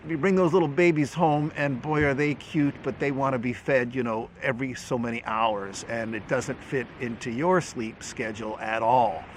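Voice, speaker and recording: A man's voice: medium pitch, a bit bright. A middle-aged man hosting a casual Bible teaching talk, folksy and humorous, often restarting his words and chuckling.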